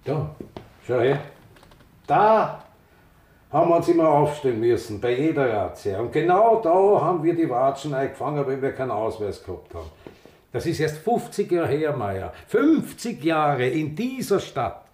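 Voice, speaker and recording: A man's voice: on the high side, big pitch swings, normal speed, darkish tone. An actor playing an embittered older Viennese gay man reminiscing in a naturalistic radio drama, speaking emphatically. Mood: bitter, aggrieved.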